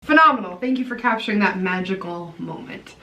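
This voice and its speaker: A woman's voice: medium pitch, lively intonation, a little fast, bright, forceful tone. A young woman vlogger in casual chat with her boyfriend, playful and teasing, telling stories with acted-out quotes.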